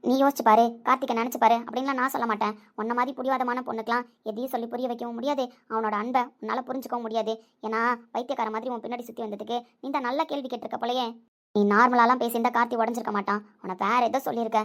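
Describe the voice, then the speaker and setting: A woman delivering dramatic dialogue with an emotional, pleading edge. Her voice sits a little high and the lines come quickly. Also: fairly even intonation. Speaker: daughter in a family drama.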